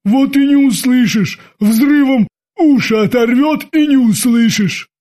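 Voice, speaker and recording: A man voicing a huge, cowardly male sailor who talks loudly in alarm. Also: very high voice, unhurried. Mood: panicky. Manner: loud, alarmed, pleading.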